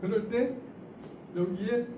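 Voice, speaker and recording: A middle-aged teacher trainer with a high voice speaks slowly to a room of teachers in a school auditorium. He is lively, laughs often and acts out lines from students and teachers. The mic is far off, and the echoey hall is noisy.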